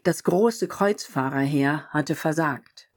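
A woman playing a solemn former child crusader recounting her faith in a radio play, measured and earnest. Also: low-pitched.

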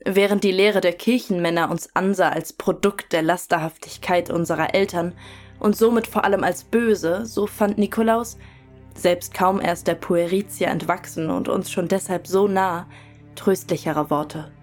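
A woman's voice: lowish voice, fairly even intonation, moderate pace, natural voice. A woman playing a devout follower in a German audio drama, giving earnest, reverent testimony about her youth. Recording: music under the voice.

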